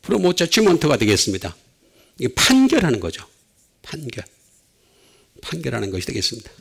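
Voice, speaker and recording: A middle-aged male pastor preaching a sermon, with sudden swings between loud and soft. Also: medium pitch, wildly swooping pitch, a little fast, creaky, slightly rough.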